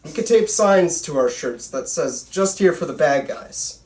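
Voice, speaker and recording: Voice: mid-range voice, lively intonation, a little slow, a little mellow, close to an everyday voice. A performer playing a bitter, intense teenage boy filmmaker in an amateur script read, recorded at a distance in a roomy space. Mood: darkly excited. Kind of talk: amateur screenplay table read.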